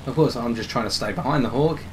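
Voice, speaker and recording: A man commentating over his own game footage, slightly hoarse as he is losing his voice, explaining tactics with frequent restarts. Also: medium pitch, fast talker, slight background noise. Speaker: gameplay commentator.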